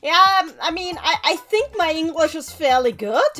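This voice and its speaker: A woman's voice: very high-pitched, animated, moderate pace, pushed and bright, faint music behind. A young woman in her twenties with a German accent, a native German speaker, chatting casually with viewers while playing a game on a live stream. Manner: chatty, answering viewer chat mid-game.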